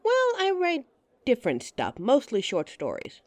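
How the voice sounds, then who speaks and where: A woman's voice: high-pitched, huge pitch swings, unhurried, no room sound. A woman performing a scripted roleplay monologue to a listener, playful and giggly, with a teasing manner.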